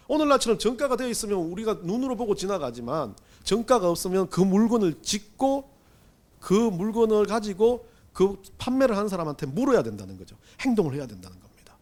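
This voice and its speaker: A male pastor giving a conversational Sunday sermon, asking the congregation rhetorical questions and swinging between loud emphasis and hushed asides. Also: sits high, sing-song, a little fast.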